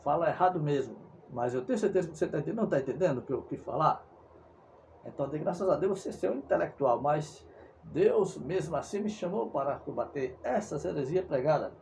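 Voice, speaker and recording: A man's voice: fairly high pitch, animated, fairly quick, gravelly, darkish tone, slight background noise. A Brazilian man preaching a fervent monologue, insistent and repetitive, sometimes stumbling over his words. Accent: Brazilian Portuguese. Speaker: evangelical preacher.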